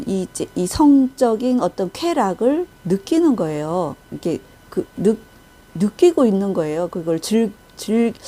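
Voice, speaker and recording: A woman's voice: medium pitch, dark tone. A woman preaching and recounting a vision in testimony style, restarting often and acting out the people in it. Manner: retells a vision with acted quotes and frequent restarts. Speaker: Christian intercessory prayer minister.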